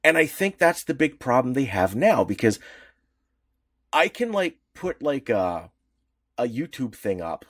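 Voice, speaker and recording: A male podcast co-host talking in a loose, rambling way, often breaking off and restarting mid-sentence. His pitch swings widely as he talks. The recording is dry and close, with no room sound. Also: unhurried, long pauses, dry recording. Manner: rambling, animated, many restarts. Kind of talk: casual chat.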